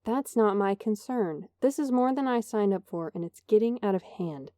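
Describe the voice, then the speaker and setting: A woman's voice: medium pitch, expressive, moderate pace, dark tone, no room sound, clean studio sound, lightly acted. Guarded, articulate young woman, played by an actress. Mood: frustrated. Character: Will, guarded, perfectionist young office worker woman. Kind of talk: audio drama dialogue.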